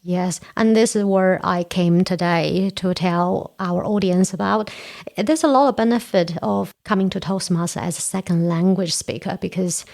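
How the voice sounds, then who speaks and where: A woman's voice: fairly low pitch, normal speed, gravelly, darkish tone. A woman in her forties from China, whose first language is Korean, speaking earnestly as an interview guest. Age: 40s. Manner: earnest, explains step by step. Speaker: podcast guest, Toastmasters area director. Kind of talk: casual interview chat.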